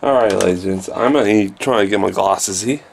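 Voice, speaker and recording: Male vlogger, thirties, lowish pitch with heavy fry, casual and meandering delivery, shot handheld indoors. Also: brisk, a little hiss or hum. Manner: low-key, meandering, jumps between everyday subjects. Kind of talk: casual rambling video diary. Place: small room indoors. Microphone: handheld camera at arm's length.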